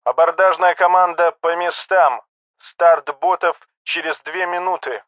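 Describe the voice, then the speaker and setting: A man's voice: fairly high pitch, steady tone, unhurried, a bit bright, no echo, highs cut off, pitched above the performer's own voice. A man voicing a proud young male cadet captain who barks clipped military commands over a ship's radio intercom. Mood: commanding. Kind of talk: audiobook character reading.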